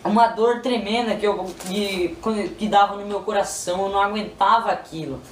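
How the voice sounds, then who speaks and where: A man's voice: high-pitched, moderate pace. A man with a Brazilian Portuguese accent telling a spiritual testimony in a repetitive, pleading, emotional way. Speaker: person giving a religious testimony. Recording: roomy, distant mic, faint noise.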